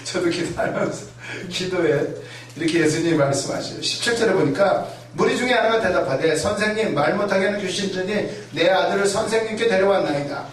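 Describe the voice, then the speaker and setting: A man with a fairly high voice delivers an animated sermon, slipping into voices and asides as he goes. He is recorded from a distance in a very echoey hall. Faint noise sits underneath. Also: fast, few pauses. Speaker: pastor.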